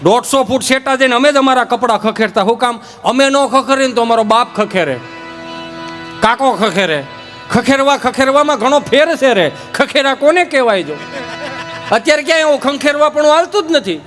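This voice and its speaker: A man's voice: very high voice, moderate pace, in a large hall, soft background music. A man telling folksy village stories on stage as a comedian. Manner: folksy, lively, acts out village characters. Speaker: stand-up comedian. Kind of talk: folk humor storytelling on stage.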